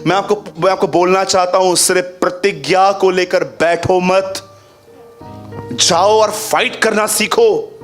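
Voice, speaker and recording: A man preaching a sermon as pastor. He keeps asking the congregation rhetorical questions, mixes English phrases into his speech and swings between a raised voice and a low one.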